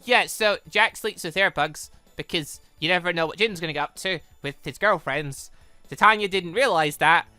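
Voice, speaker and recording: A woman giving casual let's play commentary, reading game dialogue aloud and rambling as she thinks out loud with animated reactions. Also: fairly low pitch, normal speed, no room sound. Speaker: gaming channel host.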